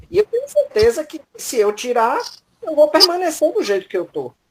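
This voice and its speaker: The pace is moderate. Pitch swings very widely. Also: woman. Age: 60s. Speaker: audience member at spiritist talk. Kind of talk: Q&A question, personal testimony.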